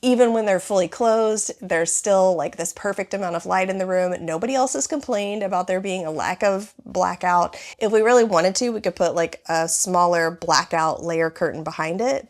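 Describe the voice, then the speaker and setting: A woman in her thirties with a hoarse, raspy voice from bronchitis, chatting casually as she tours her small living room. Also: on the low side. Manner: chatty, rambling with many "like" fillers. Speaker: home vlogger. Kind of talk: casual home tour vlog.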